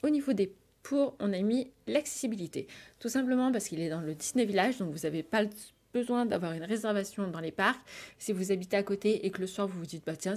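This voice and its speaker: Woman vlogger, casual chatty voice-over, mid pitch, soft music bed. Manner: chatty, many fillers and restarts. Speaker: vlogger reviewing restaurants. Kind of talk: voice-over review, partly read descriptions.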